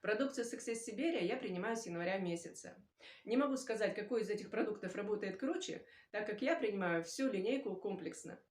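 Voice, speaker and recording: A woman's voice: medium pitch, expressive, fairly quick, a little mellow. Formal woman in her fifties, testimonial recorded in an echoey room. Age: 50s.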